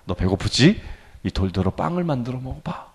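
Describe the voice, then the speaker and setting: A man putting on a hushed, wheedling serpent tempter. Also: big pitch swings, a little fast, breathy edge. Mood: coaxing whisper. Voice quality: low hushed whisper. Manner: coaxing, insinuating. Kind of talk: acted quote within a sermon.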